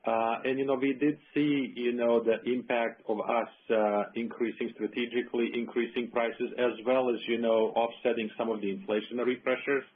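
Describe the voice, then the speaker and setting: A man's voice: mid-range voice, flat delivery, normal speed, few pauses, husky. A man speaking as a finance executive, answering an analyst on an earnings call in a businesslike, explanatory manner. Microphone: telephone conference call. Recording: narrow tinny phone line.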